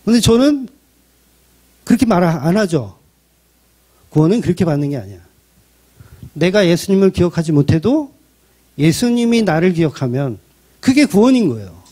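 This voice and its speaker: A man preaching a Sunday sermon in church with a high voice that swoops up and down expressively. His tone is mellow and warm. He keeps the address conversational, asking the congregation questions and slipping in touches of humor. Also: sing-song, moderate pace, long pauses. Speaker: pastor.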